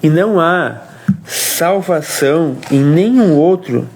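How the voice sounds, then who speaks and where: A man from Brazil, explaining a faith question on a casual family devotional livestream, with pauses and restarts. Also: on the high side, expressive, darkish tone, a little hiss or hum. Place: home livestream.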